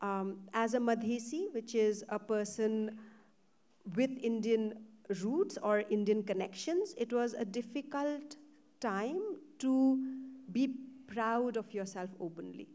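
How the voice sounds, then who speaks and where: Reflective woman author from Nepal. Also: a little high. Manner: reflective, soft-spoken, pauses with fillers. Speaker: novelist, guest. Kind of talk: literary panel interview. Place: stage at a literary festival.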